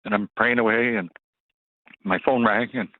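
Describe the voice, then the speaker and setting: A man calling in to a radio show, telling his story in a halting, emotional way with many restarts. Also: mid-range voice, gravelly, no echo. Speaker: caller. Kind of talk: call-in storytelling. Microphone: telephone. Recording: tinny phone line.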